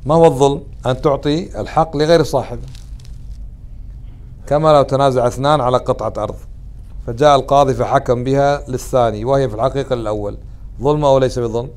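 A man's voice: medium pitch, fairly even intonation, quick pace, darkish tone. A man, a sheikh teaching a religious lesson who keeps putting questions to his listeners and mixes colloquial words into formal speech. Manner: questions the audience often, then answers himself.

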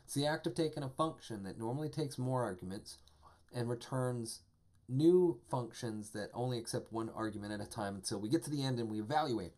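A man's voice: mid-range voice, a little fast, a little mellow. A man teaching a live-streamed programming lesson, talking casually and enthusiastically with lots of fillers as he types code. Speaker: programming instructor.

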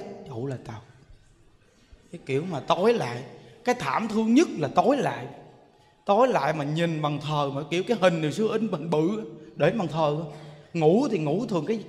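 A man giving a Buddhist sermon, telling stories in an animated way, repeating himself and addressing listeners directly. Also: sits high. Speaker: Buddhist monk teacher. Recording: long reverb hall.

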